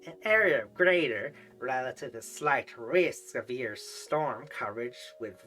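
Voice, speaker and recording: A woman reading weather definitions aloud on a livestream, halting and correcting herself as she goes. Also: very deep voice, animated, a bit bright, soft background music. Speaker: streamer practicing reading.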